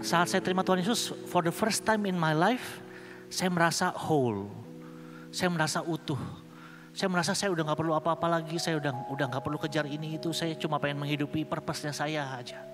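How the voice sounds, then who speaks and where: Man, slightly high voice, conference preacher sharing a humorous, slangy testimony on a stage mic in a big reverberant hall. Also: steady tone, brisk. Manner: casual, humorous storytelling with slang. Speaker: conference speaker. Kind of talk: personal testimony sermon. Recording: long hall reverb with music underneath.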